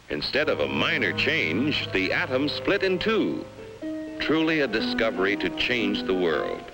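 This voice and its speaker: An American man delivers scripted narration in the style of a 1950s educational film. His low-set voice moves with lively, sweeping intonation. He is emphatic and dramatic, pausing for effect, with music clearly playing behind him. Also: poor audio. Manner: emphatic, dramatic, with rhetorical questions and pauses.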